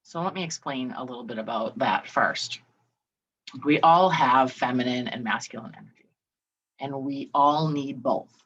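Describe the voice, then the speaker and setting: A woman's voice: a bass voice, moderate pace, slightly rough, lo-fi sound. A woman hosting a podcast on her own, talking casually and chattily, now and then swearing or acting out quoted voices. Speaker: podcast host. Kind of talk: casual solo podcast talk. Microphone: video call.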